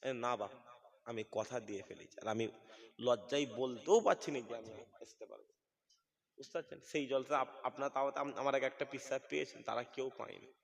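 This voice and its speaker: A man's voice: mid-range voice, fairly quick, vocal fry, long reverb tail. A man preaching a fiery sermon under a tent, calling out questions to the crowd. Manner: calls out to the audience, asks questions and shouts. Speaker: preacher at a religious gathering. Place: tented outdoor gathering.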